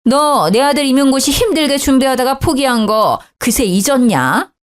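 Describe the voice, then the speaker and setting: A woman voicing a harsh, nagging middle-aged mother-in-law who scolds and shouts. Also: lively intonation, normal speed. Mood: scolding. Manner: shrill scolding, shouting, sighing exclamations.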